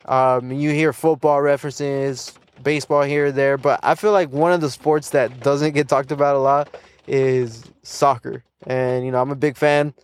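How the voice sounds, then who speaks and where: With a clean, mid-range voice, steady tone and moderate pace, a young man runs a solo podcast. He keeps it casual and rambling, often restarting, using fillers and laughing a little.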